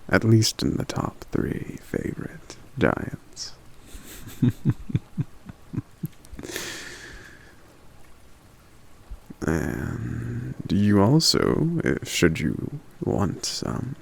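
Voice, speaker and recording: Casting: male actor for a gentle forest giant, deep and heavily creaky, musing and intimate, ASMR roleplay. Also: huge pitch swings, exaggerated voice. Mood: warm, musing. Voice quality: very deep, gravelly. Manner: slow, musing, hesitant, with soft hums. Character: gentle, contented giant man living in the forest. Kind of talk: ASMR roleplay, soft intimate character monologue.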